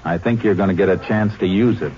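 An American actor playing a tough, terse Texas Ranger in a 1950s western radio drama. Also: male voice, deep voice, fairly quick, lo-fi sound, lightly acted. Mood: businesslike. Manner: terse, dry, commanding. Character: tough, cool Texas Ranger lawman hero. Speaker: lead actor and narrator. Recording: noisy, band-limited old radio recording.

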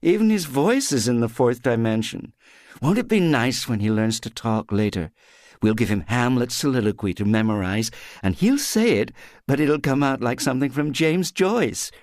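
A man voicing a brittle, tipsy young mother in a high, gushing voice. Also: expressive, normal speed, darkish tone, no room sound, clean studio sound, natural voice. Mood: giddy.

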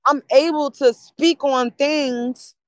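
A woman's voice: high-pitched, fairly even intonation, slow pace, no room sound. A woman battle rapper, a podcast guest, talking in casual chat and repeating phrases to drive her points home.

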